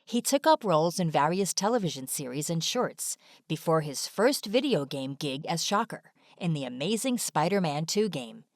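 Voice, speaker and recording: Low-voiced woman narrating, very dry sound. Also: dry recording. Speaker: video narrator. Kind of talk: scripted narration. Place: dry studio voice-over.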